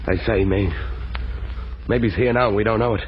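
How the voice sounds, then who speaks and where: A man's voice: on the low side, fairly even intonation, brisk, slight background noise, natural voice. An actor playing a nervous, slangy gangster henchman in an old-time radio drama. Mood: uneasy. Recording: muffled vintage radio recording.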